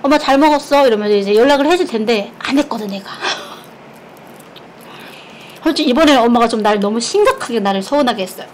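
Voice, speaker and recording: A woman's voice: fairly high pitch, expressive, fairly quick, pauses often, a little mellow, a little hiss or hum, poor audio. A woman from Korea, chatting candidly while eating and telling stories frankly, with laughter and blunt words. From North Korea. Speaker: mukbang streamer.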